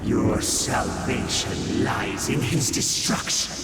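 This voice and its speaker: An actor playing a menacing, zealous high priest of a demon cult in a video game, preaching and taunting in a grandiose, theatrical way. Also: male voice, slow, gravelly. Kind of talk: video game villain acting. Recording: roomy distant voice under loud music.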